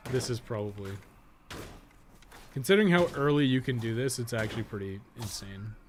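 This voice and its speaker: A man's voice: mid-range voice, normal speed. A man giving casual, rambling game stream commentary with a jokey, sometimes profane manner. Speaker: podcast co-host and game guide maker. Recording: clearly noisy background.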